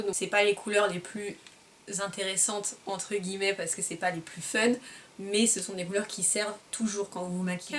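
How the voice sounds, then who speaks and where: A woman's voice: mid-range voice, distant mic, a little hiss or hum. Chatty woman reviewing makeup, slightly off-mic. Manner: chatty, searching for words, self-correcting. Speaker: beauty vlogger. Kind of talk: casual product review.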